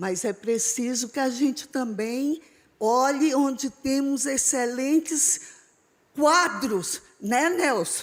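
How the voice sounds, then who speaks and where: A woman talks with a high pitch and ordinary pitch variation. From Acre, Brazil. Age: 60s. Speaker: teacher and union leader, audience member. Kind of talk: audience question at seminar. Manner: animated.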